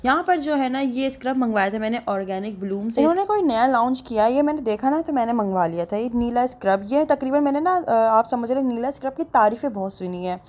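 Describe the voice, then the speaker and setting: A woman's voice: fairly high pitch, animated, quick pace, few pauses, darkish tone. A young woman, narrating a casual vlog voice-over in a chatty, rambling way and laughing often. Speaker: vlogger.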